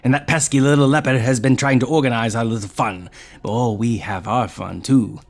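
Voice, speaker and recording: Tabletop game pixie played by a man: tiny wild-eyed brownie, creaky, indignant, pitched up in bursts. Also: steady tone, brisk, natural voice. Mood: cocky, bickering. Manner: small pixie-like voice, bickering and indignant.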